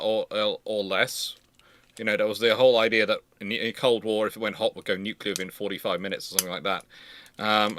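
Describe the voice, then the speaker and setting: A man hosting a live history Q&A, talking off the cuff in a discursive, halting way with many asides. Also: on the low side, fairly bright tone, a little hiss or hum. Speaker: host of a live naval history Q&A. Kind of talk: unscripted expert discussion.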